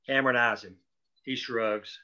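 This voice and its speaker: A man with a bright, forward voice at a middling pitch reads stage directions as scripted narration. The recording is dull and lo-fi, like a remote table read. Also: fairly even intonation, normal speed. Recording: dull, lo-fi call audio.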